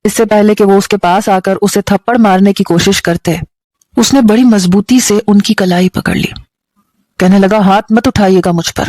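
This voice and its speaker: A woman storyteller with a Pakistani Urdu accent reading a dramatic story in a steady, emotive way. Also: mid-range voice, no room sound.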